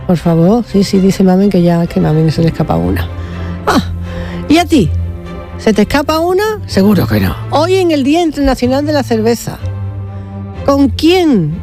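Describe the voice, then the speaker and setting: A woman hosting live radio, chatty and playful, whose pitch swings freely from phrase to phrase. Her tone is mellow and warm, with faint music underneath. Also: sing-song, moderate pace. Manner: cheerful, chatty, teasing. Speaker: radio host.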